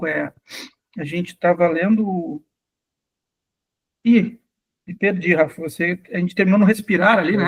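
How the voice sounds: In a southern Brazilian accent, the speaker goes at a fairly slow pace with long, frequent pauses.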